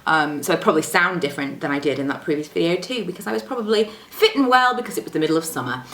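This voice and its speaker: A young woman talks casually through a makeup routine, self-deprecating and full of little fillers. Her voice sits a touch low, roughened by an oncoming cold. She is close to the camera in a home room with some echo and a faint hiss. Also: lively intonation, very fast, a bit bright. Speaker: beauty vlogger. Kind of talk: casual makeup tutorial chat. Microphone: camera close to the face.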